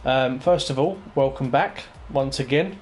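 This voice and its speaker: A man's voice: medium pitch, measured pace, faint music behind. A man hosting a casual post-race interview, matey and chatty with frequent ums and restarts. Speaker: interview host.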